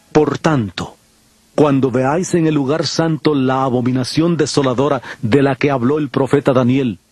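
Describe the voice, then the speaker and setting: A man performs a grave male prophet and teacher in an audio Bible drama. He declaims in a measured, solemn way, warning his followers, with music clearly playing behind him. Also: mid-range voice, lightly acted.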